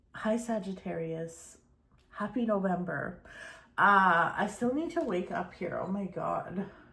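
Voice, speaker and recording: With audible room echo, a woman at a medium pitch speaks very slowly with lively intonation and long, frequent pauses. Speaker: tarot reader. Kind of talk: tarot reading monologue. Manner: casual, hesitant with fillers.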